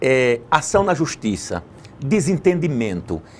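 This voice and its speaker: A man with vocal fry and lively intonation, at a fairly slow pace. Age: 60s. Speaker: military police colonel. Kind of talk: TV interview. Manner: animated.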